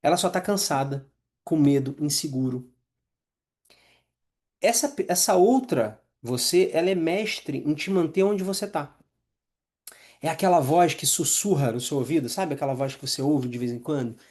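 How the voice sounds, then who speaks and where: A man's voice: fairly high pitch, expressive, normal speed, darkish tone. Conversational man teaching a masterclass. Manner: conversational, asks the audience questions, acts out inner voices. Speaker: hypnotherapist and mental coach. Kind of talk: live masterclass to an audience.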